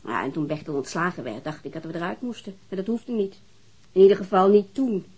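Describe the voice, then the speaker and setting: Weary, husky, defensive divorced mother. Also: fairly low pitch, fairly quick, a little mellow. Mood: defensive, aggrieved. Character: weary, defensive divorced working-class mother being questioned. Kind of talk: naturalistic radio drama dialogue.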